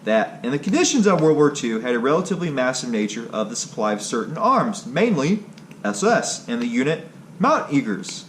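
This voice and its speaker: A man reading a scripted history narration aloud, somewhat haltingly. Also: mid-range voice, big pitch swings. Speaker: video creator and narrator. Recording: clearly noisy background ambience.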